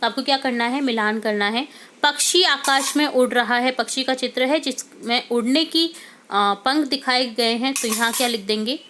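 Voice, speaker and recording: A woman teacher with a somewhat high voice goes through a workbook answer by answer. She explains patiently, step by step, and keeps checking in with her students as she moves from one item to the next. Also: moderate pace, pushed and bright, slight background noise. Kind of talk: worksheet solution lesson.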